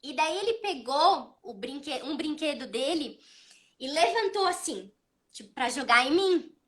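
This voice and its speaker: A woman in her thirties, hosting a child psychology talk, explaining calmly and telling stories about her son with acted-out dialogue. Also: high-pitched, measured pace. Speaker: child psychology channel host. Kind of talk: casual advice talk.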